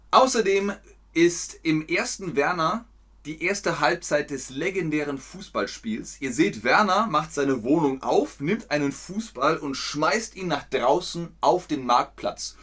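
A man teaching German in an online lesson, explaining phrases slowly and playfully, sometimes throwing in silly sound effects. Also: on the high side, a bit bright, breathy edge.

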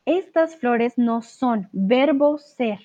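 Speaking extremely slowly yet animatedly, a woman with a fairly high, dark-toned voice teaches Spanish live online. She patiently reads viewers' chat answers, corrects them, and occasionally explains in English or German, over tinny narrow-band stream audio.

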